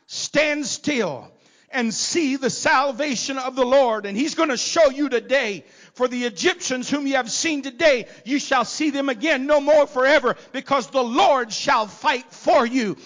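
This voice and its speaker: A man preaching a sermon, swinging from quiet asides to loud, shouted exhortation. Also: very high voice, measured pace. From not from Texas.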